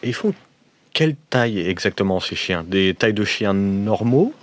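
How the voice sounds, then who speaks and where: A man's voice: fairly low pitch, expressive, moderate pace. A man playing a tabletop game, chatting casually and joking playfully. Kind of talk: casual improvised game banter.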